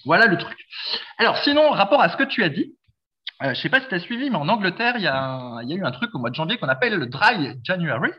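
Hesitant, rambling man on a podcast. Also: on the high side. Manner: rambling, frequent hesitations and restarts. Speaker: podcast co-host. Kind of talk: casual podcast chat. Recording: dull lo-fi sound.

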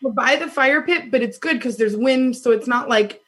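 Husky woman telling a lively story. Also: fairly high pitch, normal speed. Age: 30s. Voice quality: loud voice. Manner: animated, laughs often, acts out quoted lines. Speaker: podcast guest telling a dating story. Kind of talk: casual storytelling chat.

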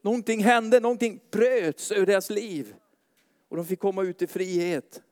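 A man preaching at a church meeting and praying aloud with fervent, rising intensity. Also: high-pitched. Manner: fervent, rising to loud pleading prayer. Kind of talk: sermon and spoken prayer.

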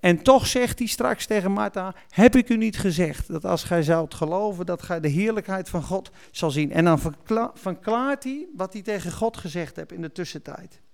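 Expressive and high, this man's voice has a creaky edge and moves at normal speed with few pauses. Preaching, he reads scripture aloud and explains it, correcting minor mistakes as he goes.

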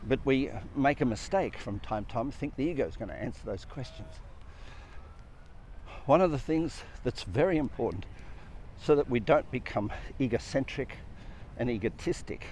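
A man's voice: medium pitch, expressive, normal speed, a little mellow. A man speaks in a mid-range voice, earnest and reflective as he talks about purpose and the soul. He piles up phrases and questions one after another. Faint traffic hums behind him. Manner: earnest, repetitive, builds lists of questions. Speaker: speaker on personal growth. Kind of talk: reflective spiritual talk.

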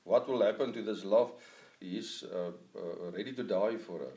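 A middle-aged man with an Afrikaans accent, an author talking in an interview about his novel. He speaks in a halting way, searching for English words. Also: on the low side, mellow. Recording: echoey room, mic at a distance.

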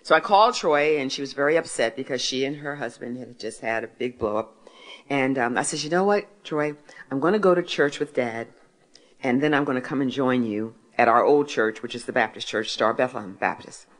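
Deep-voiced woman in her sixties testifying. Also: expressive, brisk. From Philadelphia, United States. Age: 60s. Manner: storytelling, asks and answers her own questions. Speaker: author and speaker. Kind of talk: faith testimony talk to an audience.

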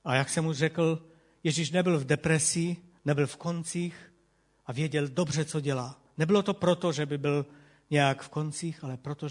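Earnest male preacher, fairly high voice. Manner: earnest, emphatic, repeats words for stress. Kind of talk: sermon with scripture reading. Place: church or community hall.

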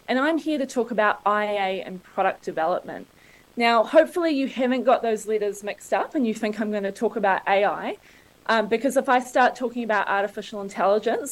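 A woman's voice: on the high side, low-quality recording. A woman with a New Zealand accent giving a conference talk, joking and self-deprecating. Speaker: conference speaker.

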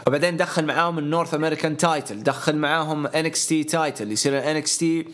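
A man's voice: on the high side, steady tone, rapid-fire, a bit bright, a little hiss or hum. A man, co-hosting a podcast in casual chat and laying out his opinions point by point. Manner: talkative, opinionated, runs through lists. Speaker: podcast co-host.

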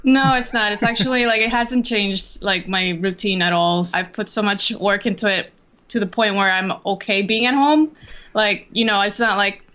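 A woman's voice: medium pitch, normal speed, sharp tone, clean tone. A young woman from Costa Rica, chatting casually as an interview guest over a video call, full of fillers and restarts. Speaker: interview guest, Twitch drummer.

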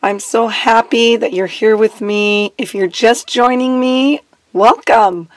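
A woman's voice: fairly high pitch, steady tone, slow pace, no echo. A woman who has lost her voice, hosting a solo advice podcast as a divorce coach, chatty and direct and laughing between her points.

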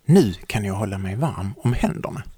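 Man doing a quiet, gentle woman. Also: lowish voice, expressive, a little hiss or hum, natural voice. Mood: tender. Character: quiet, gentle woman sitting on a bench in the cold.

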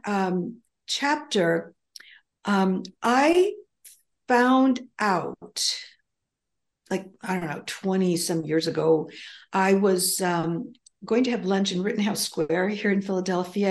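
An older woman whose first language is Greek speaks as an interview guest at a slow, unhurried pace. She rambles through her stories, often restarting sentences and filling pauses with ums. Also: medium pitch, darkish tone. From United States. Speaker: author and guest. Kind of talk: casual interview conversation.

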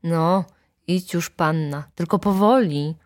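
A woman's voice: lowish voice, slow, no room sound, studio quality. A pompous, insolent valet, as a woman narrator puts him on, talking down to everyone in a haughty, commanding voice. He gives orders in the tone of a man who runs the house, as in a storybook reading.

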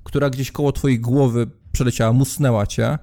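A man's voice: mid-range voice, steady tone, brisk, dark tone. A man running a tabletop role-playing game, describing the scene to the players in second person with small hesitations. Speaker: game master.

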